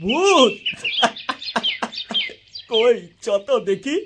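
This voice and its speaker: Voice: high voice, sing-song, very slow, background noise, heavily acted. An actor playing a bold, cheeky boy magician in a children's cartoon. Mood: curious. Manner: taunting, chanting spells.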